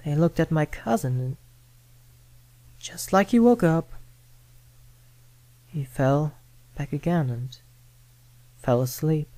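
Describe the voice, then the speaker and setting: A woman narrating a first-person scary story in a dramatic, deliberate manner with suspenseful pauses. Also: low-pitched, animated, warm tone, no echo, poor audio. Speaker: horror story reader. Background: background music.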